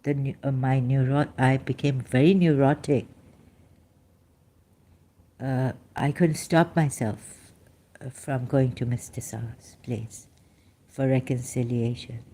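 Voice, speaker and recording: A woman with a low, mellow voice talks through a personal monologue. She stops often, fills gaps with hesitations and restarts her phrases while she hunts for words. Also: fairly even intonation. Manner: halting, searches aloud for words, many fillers and restarts. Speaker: vlogger.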